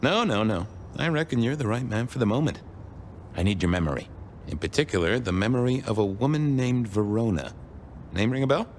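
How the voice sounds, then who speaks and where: An actor playing a persistent, courteous vampire police detective in a noir video game, with colorful old-fashioned phrasing. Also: male voice, mid-range voice, animated, a little fast, a little hiss or hum, lightly acted. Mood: friendly probing.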